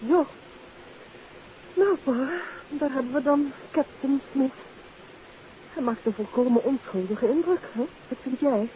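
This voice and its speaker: Wry nosy detective wife, 1950s radio play, highish voice, tinny with a bit of noise. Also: female voice, measured pace, long pauses. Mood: wry, musing. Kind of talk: 1950s Dutch radio drama acting. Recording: tinny, faintly noisy old radio recording.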